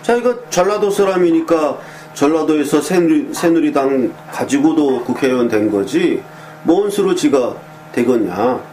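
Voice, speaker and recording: A man with a somewhat high pitch and a soft, mellow tone gives casual commentary to his listeners. He talks loosely, drops fillers and little affirming asides, and pushes his critical points hard. A faint hum sits under the recording. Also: expressive, measured pace, poor audio. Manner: pointed, sharply critical opinions. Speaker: political commentator.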